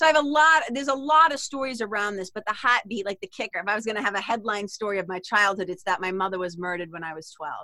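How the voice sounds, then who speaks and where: A woman speaks at a very fast pace in a Boston accent, her medium-pitched voice bright and sharp in tone. She sounds animated, with lively intonation. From Boston, US. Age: 50s. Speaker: podcast host, spiritual mentor. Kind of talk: casual interview chat. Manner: animated, humorous.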